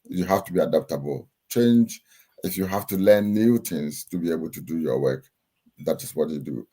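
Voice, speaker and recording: A middle-aged man with a Ghanaian accent, giving steady, instructive interview answers with frequent pauses and fillers. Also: sits low, husky. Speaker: guest, chartered accountant and lecturer.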